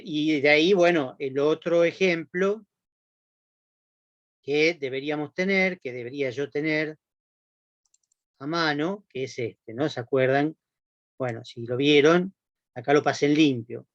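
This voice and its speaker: A male lecturer with a Rioplatense accent explains patiently, dropping "¿no?" and "¿sí?" to check on his students. His voice sits a little high for a man. The recording is dry and slightly dull, like a classroom lo-fi capture. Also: no room sound. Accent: Rioplatense Spanish. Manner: explanatory, frequent checking tags "¿no?" and "¿sí?". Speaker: university lecturer.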